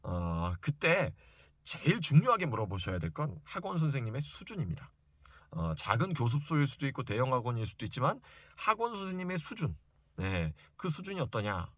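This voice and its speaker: Animated, bright-voiced man coaching parents. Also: medium pitch, fairly quick, no room sound. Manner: emphatic, insistent, repeats key points for stress. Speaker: private reading and study coach advising parents. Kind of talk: informal educational lecture to parents.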